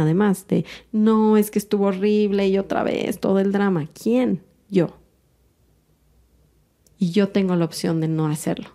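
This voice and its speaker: A woman hosting a podcast, calmly talking through her own emotions in a reflective monologue. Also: lowish voice. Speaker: podcast host.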